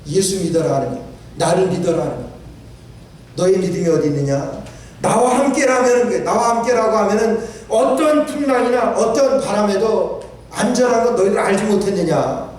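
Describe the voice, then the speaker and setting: Male pastor, high voice, emphatic repeating sermon delivery, heard from afar in a very echoey church with faint background noise. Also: animated, a little fast, darkish tone. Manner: preaching with emphatic repetition and quoted scripture. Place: church sanctuary. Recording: echoey church hall from a distant mic.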